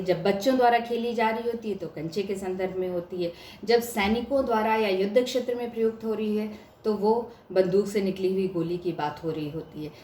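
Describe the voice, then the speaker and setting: A woman's voice: medium pitch, darkish tone. A woman giving an academic lecture, explaining each point and stressing words to show examples. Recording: echoey room with faint hiss.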